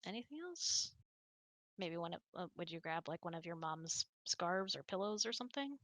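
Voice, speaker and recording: A woman's voice: on the low side, sing-song, normal speed, fairly bright tone, dry recording, studio quality. A woman hosting a casual online hangout, chatty and self-deprecating, thinking aloud as she answers audience questions. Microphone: close mic on an online voice chat.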